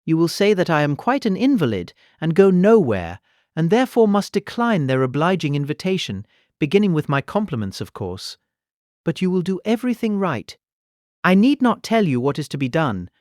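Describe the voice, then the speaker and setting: An actor playing a fretful, gentle elderly gentleman, fussy and plaintive, in a period comedy audiobook. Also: on the high side, very animated, moderate pace, no room sound, studio quality. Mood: fussy, courteous. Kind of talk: audiobook character acting, period comedy of manners.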